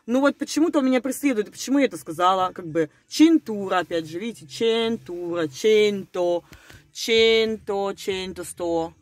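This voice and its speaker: A woman's voice: medium pitch, moderate pace. A woman talking casually and conspiratorially to her viewers, rambling and hesitant, breaking off words and repeating them as she chews over word roots aloud. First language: Russian. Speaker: video blogger. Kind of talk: casual speculative monologue to viewers.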